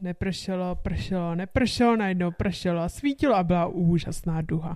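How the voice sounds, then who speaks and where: A woman speaks at a fairly slow pace, her medium-pitched voice showing ordinary pitch variation. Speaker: podcast co-host. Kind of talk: casual chat. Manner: speeds up when stressed.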